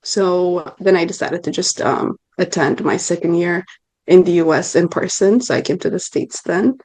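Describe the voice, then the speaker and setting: A woman in her twenties from Ethiopia earnestly responds to questions as an interview guest in casual conversation, often saying um and starting over. She has a lowish, slightly rough, somewhat mellow voice at a moderate pace, and the audio quality is poor.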